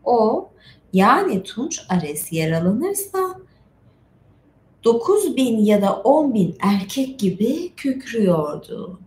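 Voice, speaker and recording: Retelling myths on an informal stream, this middle-aged host chats and digresses freely, tossing in asides. She speaks slowly in a fairly high, sing-song voice with a somewhat dark tone. Faint noise sits behind her in an echoey room.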